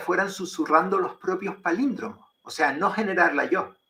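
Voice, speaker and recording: A man with a Canarian accent speaks with lively intonation. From Canary Islands, La Palma. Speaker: writer and statistics professor. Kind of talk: interview.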